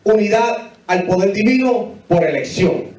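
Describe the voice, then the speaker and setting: High-voiced preacher in an echoey hall. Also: male voice, expressive, moderate pace, darkish tone, recorded from a distance. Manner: emphatic, repetitive, asks the congregation questions. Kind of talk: Bible teaching sermon. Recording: echoey hall, voice picked up from afar.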